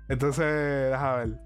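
A man hosting a casual chat, rambling and restarting his sentences, swearing casually. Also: mid-range voice.

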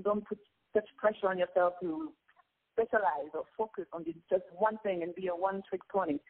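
A woman from Congo whose first language is Lingala, a singer being interviewed, speaking in an earnest, reflective way with hesitant restarts. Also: medium pitch. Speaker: singer and guest. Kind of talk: casual interview chat. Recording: tinny phone line.

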